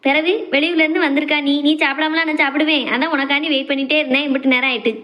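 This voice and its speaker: A woman's voice: high voice, fairly even intonation, rapid-fire, a bit bright. A woman playing a shy, tender-hearted middle-aged mother in a family skit. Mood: fond. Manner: shy, scolding fondly.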